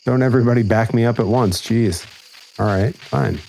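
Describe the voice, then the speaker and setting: A man from New England with a smooth voice, chatting casually with dry humor while playing a co-op game. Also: medium pitch, normal speed, a little mellow, slight background noise, low-quality recording. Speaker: co-op gaming partner. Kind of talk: casual co-op gaming chat.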